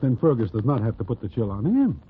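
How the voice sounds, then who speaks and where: An actor playing a wry Broadway narrator in a 1940s radio drama, speaking formally, without contractions. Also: male voice, medium pitch, very animated, fast, slight background noise, natural voice. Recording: tinny old radio broadcast with music.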